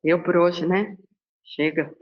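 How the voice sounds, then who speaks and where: A woman's voice: lowish voice, little pitch movement, takes it slowly. A woman from Brazil leading a Sunday spiritist gospel study, talking conversationally and asking herself rhetorical questions. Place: Spiritist center hall. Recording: dull lo-fi sound.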